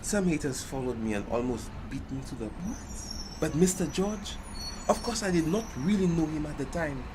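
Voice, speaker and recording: A man's voice: on the high side, animated, moderate pace, natural voice. Guy acting flamboyant gay best friend, caribbean accent, sassy gossipy but caring, audio drama chat, some noise behind. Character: flamboyant, gossipy, sympathetic gay man, loyal confidant. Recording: noticeable background noise.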